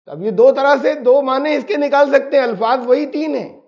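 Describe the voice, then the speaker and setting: High gravelly-voiced man teaching. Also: darkish tone, lo-fi sound. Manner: explanatory, emphatic, uses everyday examples. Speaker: Quran teacher. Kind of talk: religious lesson.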